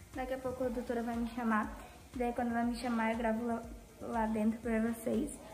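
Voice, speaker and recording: Over light background noise, a woman talks at a moderate pace in a high pitch. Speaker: vlogger. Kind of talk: casual vlog chat.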